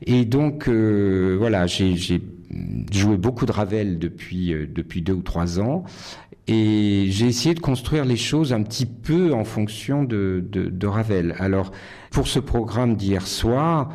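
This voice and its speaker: A middle-aged man from Nice, a concert pianist, answering interview questions thoughtfully with many pauses and restarts. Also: on the low side, mellow. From Nice, France.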